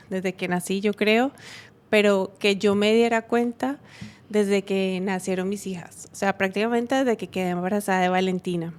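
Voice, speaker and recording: A woman tells her personal story of faith as a talk show guest. She speaks earnestly at a mid pitch, pausing often and restarting her sentences as she searches for words. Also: darkish tone. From Colombia. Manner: halting, many fillers and restarts, earnest. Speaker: guest giving a testimony.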